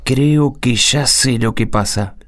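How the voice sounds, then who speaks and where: A man's voice: mid-range voice, slow pace, a bit bright. A man playing a humble, hesitant Argentine craftsman. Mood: sheepish, explaining. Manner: hesitant, colloquial, explanatory. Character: humble, good-hearted workshop craftsman owning up to friends. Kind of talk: radio theatre dialogue.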